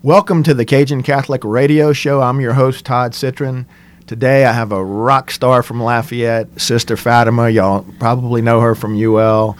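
A man's voice: medium pitch, steady tone, moderate pace, a little hiss or hum. A man hosting a Catholic radio show, friendly and encouraging, with brief interjections.

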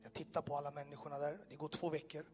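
High-voiced man telling a testimony. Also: soft background music. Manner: animated storytelling with sound effects and direct questions to listeners. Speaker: speaker giving a personal testimony. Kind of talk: testimony told to a live audience. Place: in front of an audience in a room.

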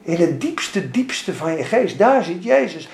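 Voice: medium pitch, sing-song, a little slow, creaky, darkish tone. A Bible study teacher giving emphatic Bible study teaching and putting rhetorical questions to the group. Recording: roomy echo.

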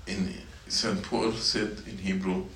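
Slow and flat in delivery, this man's low voice carries a fairly bright tone as he preaches to middle schoolers in a church meeting room. He repeats points and asks the students questions, recorded from a distance in an echoey room with faint noise.

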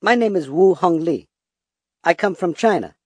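An actor playing a polite Chinese man calling in to a radio show, speaking in slow, simple sentences. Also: sits high, animated, slightly rough, dry recording. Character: polite Chinese male caller, beginner English. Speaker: listener caller on a radio show. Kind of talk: scripted language-lesson dialogue.

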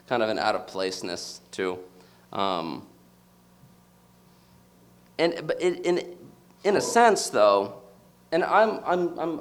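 A man in his thirties from the United States, giving a personal, reflective talk to a live audience and searching for his words as he goes. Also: on the low side. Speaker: speaker addressing an audience.

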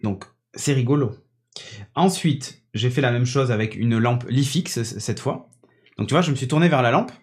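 A man's voice: mid-range voice, normal speed, darkish tone. Man, podcast host, casual tech chat, enthusiastic, hesitant fillers, studio mic. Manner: chatty, enthusiastic, demonstrating with many hesitations. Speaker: podcast host presenting a gadget. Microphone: podcast studio microphone on a mixing desk.

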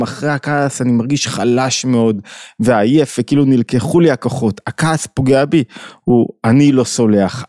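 A man with a medium-pitched, darkish voice, recorded dry and at studio quality, lectures on Jewish thought. His spoken lesson is reflective; he poses questions to his listeners and acts out the voices of people in his examples.

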